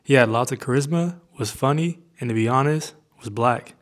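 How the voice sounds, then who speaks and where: A man's voice: mid-range voice, moderate pace. A young adult man from California hosting an interview, eager and chatty, seated on a sofa with a lapel mic. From California, United States. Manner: eager, many "yeah" fillers. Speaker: host. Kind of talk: casual interview; narrated intro. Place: living room with leather sofa.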